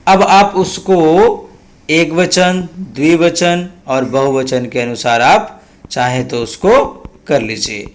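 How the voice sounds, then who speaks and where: A man teaching a Sanskrit lesson online, chanting word forms slowly and clearly for pupils to repeat, with quick explanations between the drills. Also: fairly high pitch, lively intonation, echoey room.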